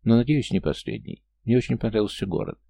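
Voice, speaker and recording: A man's voice: on the low side, fast, creaky. A man voicing a polite, mild-mannered Englishman who belongs to an old knightly order, in an audiobook. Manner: polite and gentle.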